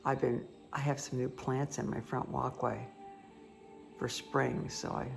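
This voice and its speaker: A woman with a croaky voice giving a casual, chatty tarot card reading that speaks directly to the listener. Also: extremely low pitch, fairly even intonation, unhurried. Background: background music.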